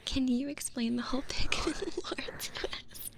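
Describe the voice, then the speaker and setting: A young woman whispering softly and playfully as an ASMR livestream host, close to the microphone, with frequent giggles. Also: high voice, a little slow, vocal fry. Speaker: ASMR streamer.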